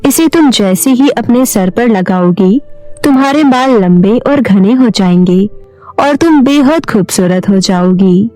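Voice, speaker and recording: A woman voicing a kindly, calm water goddess in a cartoon story, soothing and measured. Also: a little high, faint music behind, low-quality recording. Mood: calm, instructing.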